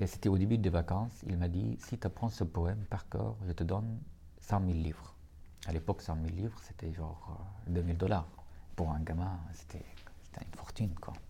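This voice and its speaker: With an Arabic accent, a man speaks in a very deep, low, somewhat breathy voice with a dark, mellow tone, ordinary pitch variation, and long, frequent pauses. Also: moderate pace. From Syria, near Damascus. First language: Arabic (speaking French). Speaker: poet and novelist. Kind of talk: interview. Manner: halting.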